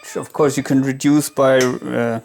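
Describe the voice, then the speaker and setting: Halting man giving a casual gear demo. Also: mid-range voice, little pitch movement, vocal fry, loud music behind the voice. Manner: hesitant, halting, thinking aloud. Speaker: guitar gear reviewer. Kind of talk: casual product demo talk.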